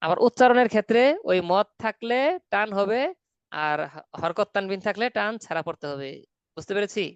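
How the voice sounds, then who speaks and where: A man's voice: sits high, a little fast, clear, resonant tone, no echo. Patient male Quran teacher, dry muffled line. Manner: patient, explains step by step with questions. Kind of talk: online class instruction.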